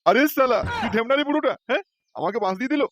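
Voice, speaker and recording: A man's voice: very high-pitched, animated, rapid-fire, fairly bright tone, dry recording, highs cut off, heavily acted. A man voicing a stingy, hot-tempered middle-aged man in a cartoon who blusters and threatens. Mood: blustering. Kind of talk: cartoon voice acting.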